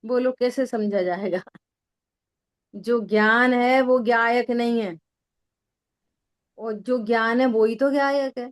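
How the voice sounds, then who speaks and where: A middle-aged woman leads a question-and-answer discussion as a spiritual teacher. Her voice sits a little high, and she explains patiently with homely examples. She often repeats a phrase to drive a point home. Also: fairly even intonation, slow, pauses often.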